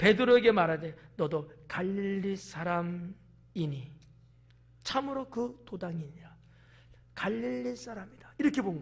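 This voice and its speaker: Someone with a slight Chungcheong accent speaks in an animated tone at a fairly slow pace. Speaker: pastor. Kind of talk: sermon.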